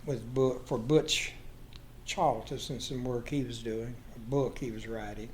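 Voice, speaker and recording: An older man, telling folksy anecdotes in an unhurried way, in short phrases with pauses. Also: medium pitch, fairly even intonation. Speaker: guest storyteller.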